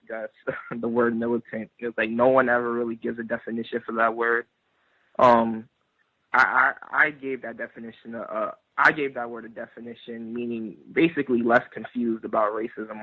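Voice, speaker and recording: A man's voice: mid-range voice, no echo. Man on a phone line. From New York. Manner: earnest, disapproving. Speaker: caller. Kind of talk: critical book discussion. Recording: tinny dry phone line.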